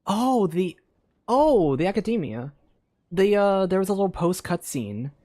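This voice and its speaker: A woman's voice: medium pitch, very animated, unhurried, warm tone, no room sound, clean studio sound. A woman giving casual gameplay commentary as a streamer, rambling and thinking aloud. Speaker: game streamer.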